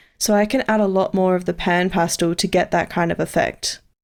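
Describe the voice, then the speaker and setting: The moderate pace comes through on a very clean recording with a silent background. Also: woman. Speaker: art tutorial teacher, pastel artist. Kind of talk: art tutorial narration. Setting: voiceover recorded over video. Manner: calm, clear, instructional.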